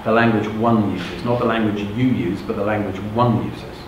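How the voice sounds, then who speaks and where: The recording is muffled, very echoey, and noisy as a middle-aged Englishman, natively Russian-speaking, shares his life story as a motivational speaker before a live audience. He talks frankly and conversationally, regularly checking comprehension, in a fairly low, fairly even voice at normal speed.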